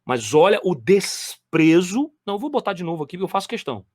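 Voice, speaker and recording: A man reacts to lecture clips, addressing his viewers directly. His voice sits high and swings widely as he stresses and repeats phrases. The sound is dry and close, with no room around it. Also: very animated, fast, darkish tone, dry recording. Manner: emphatic, repeats phrases, talks straight to viewers. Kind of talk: commentary on replayed lecture clips.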